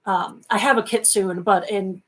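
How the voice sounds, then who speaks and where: A calm woman co-hosts a relaxed livestream and explains things at length in an easy, wandering way. Her voice has an ordinary middle pitch for a woman. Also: normal speed, rough recording. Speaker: livestream co-host. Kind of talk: casual livestream chat.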